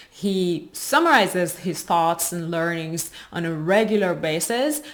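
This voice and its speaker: Woman explaining investing research. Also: medium pitch. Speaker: host of an investing video channel.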